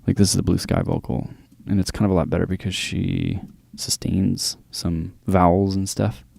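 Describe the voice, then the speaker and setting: A man giving a casual software tutorial as host, speaking colloquially in a laid-back way into a close mic. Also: deep voice, flat delivery, moderate pace, vocal fry, breathy edge. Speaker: music production tutorial host.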